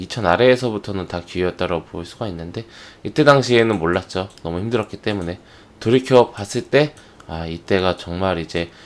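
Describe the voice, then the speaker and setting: Quietly and at a moderate pace, a man with a fairly low pitch speaks with ordinary pitch variation. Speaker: stock market commentator. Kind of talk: market analysis talk. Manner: quiet voice, may crack.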